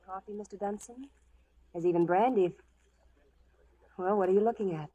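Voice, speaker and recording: A woman's voice: medium pitch, moderate pace, dull audio, close to an everyday voice. An actress playing a proud, lovelorn, bold frontier woman in a radio western, speaking directly and challengingly, with yearning. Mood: cool, provoking. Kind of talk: 1940s radio western acting.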